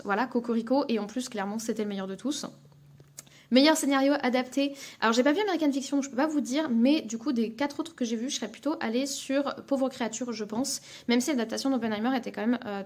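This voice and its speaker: Fast-talking, opinionated woman. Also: on the high side, darkish tone. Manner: opinionated, emphatic. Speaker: film review vlogger. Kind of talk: casual reaction commentary to camera.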